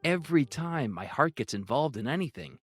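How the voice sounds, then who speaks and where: A man's voice: fairly high pitch, expressive, a little fast, gravelly, a bit bright. A man acting a world-weary, lovelorn private investigator, giving a confiding noir monologue in an audio drama trailer. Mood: wistful, troubled. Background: guitar music.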